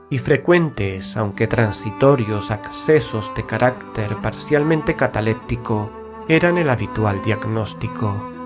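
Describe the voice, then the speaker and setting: A man playing an uneasy, observant gentleman who narrates a gothic horror tale in a measured, solemn way. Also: medium pitch, natural voice. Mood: somber. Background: music.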